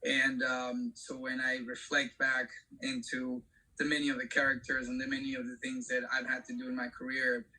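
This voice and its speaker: A middle-aged man from Venezuela, an actor speaking as a panel guest in a halting way, with many fillers. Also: mid-range voice, monotone, pushed and bright, poor audio. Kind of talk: panel discussion.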